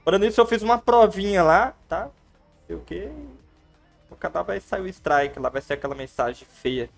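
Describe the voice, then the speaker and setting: A man's voice: sits high, normal speed, vocal fry, faint music behind. A man with a Brazilian Portuguese accent, giving playful, joking gameplay commentary on a livestream and talking to his chat. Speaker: game streamer.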